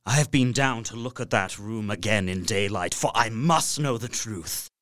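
Man acting a fearful young gentleman narrator. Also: on the low side, moderate pace, no room sound, clean studio sound, lightly acted. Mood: uneasy. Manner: earnest, fearful, formal. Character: Jonathan Harker, horrified young solicitor recounting his journal. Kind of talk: dramatic first-person narration, radio play.

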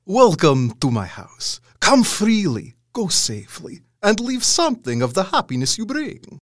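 An actor playing a tall old vampire count in an audio drama, husky, formal and stately in his courtesy. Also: sits high, wildly swooping pitch, a little slow, dry recording, clean studio sound, exaggerated voice. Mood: solemn welcome.

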